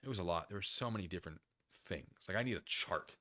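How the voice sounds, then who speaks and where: An American man streaming a dramatic reading of a document, breaking off into wry, excitable, casual asides as he goes. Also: low voice, quick pace, no echo. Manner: animated, wry, digressive, easily excited.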